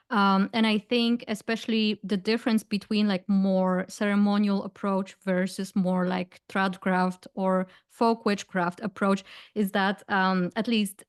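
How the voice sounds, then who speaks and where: A woman hosting a panel discussion who speaks in a measured way, pausing on "uh" and "um" as she explains folk witchcraft on a video call. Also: medium pitch, clean tone, dry recording, clean studio sound.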